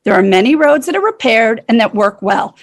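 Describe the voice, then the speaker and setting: A woman's voice: fairly high pitch, lively intonation, a little fast. A woman from the city staff speaking at a council meeting with a scratchy voice, concerned and defensive. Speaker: municipal staff member.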